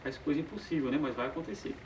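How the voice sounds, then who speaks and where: A man's voice: mid-range voice, fairly even intonation, very fast, noisy background. A man teaching a casual Bible study, with hesitant filler sounds and frequent chuckles. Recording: roomy sound from a distant mic.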